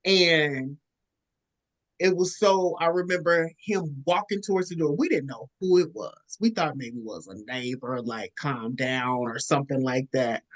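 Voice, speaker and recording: A woman co-hosting a podcast, telling a story casually and acting out quoted lines in a high squeaky voice. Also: unhurried. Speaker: podcast co-host.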